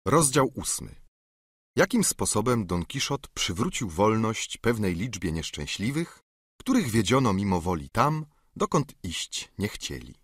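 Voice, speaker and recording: A man narrating a classic novel as an audiobook, measured and steady. His voice is husky, and his pitch moves in lively swings. The recording is close and dry. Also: no room sound. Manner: measured, storytelling. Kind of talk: scripted narration.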